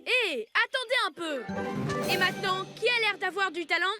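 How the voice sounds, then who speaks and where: A woman's voice: very high voice, animated, moderate pace. A woman voicing a cocky, enthusiastic little boy show-off in a French-dubbed children's cartoon, with a brash manner. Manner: brash, boastful. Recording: music behind the voice.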